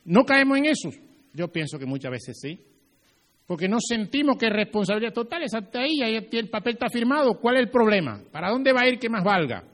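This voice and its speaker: A male pastor giving a lively sermon, acting out little scenes as he preaches. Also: high voice, brisk, long reverb tail.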